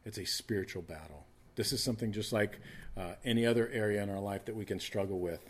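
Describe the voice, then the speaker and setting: A man's voice: fairly low pitch, fast talker. 50s guy preaching to his church, chatty and loose, lots of restarts. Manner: conversational preaching with frequent restarts and repeated words. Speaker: pastor. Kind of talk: sermon.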